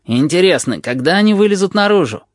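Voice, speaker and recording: A man's voice: high voice, sing-song, fast, no room sound, clean studio sound, voice pushed up. A man doing a gloomy, suspicious teen boy. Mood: musing. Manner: defensive, grumbling.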